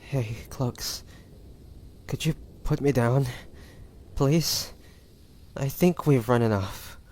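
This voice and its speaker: Guy doing a hurt devoted young hunter for an audio roleplay, really slow n breathy, pained halting delivery, bit of noise behind. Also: mid-range voice, a little mellow, close to an everyday voice. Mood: exhausted, pained. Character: wounded, devoted young male demon hunter, tender and desperate. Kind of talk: dramatic audio roleplay acting.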